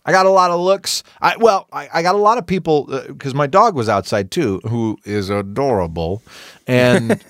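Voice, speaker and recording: A man's voice: mid-range voice, moderate pace, dry recording, studio quality. A man co-hosting a podcast, telling a story in a casual chat, laughing often and acting out other people's lines. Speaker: podcast co-host.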